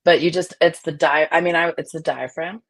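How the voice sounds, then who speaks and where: A low-voiced woman with a raspy tone, speaking as a guest in a casual chat. She projects her voice from the diaphragm like a theater kid and talks bluntly and fiercely. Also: steady tone, brisk.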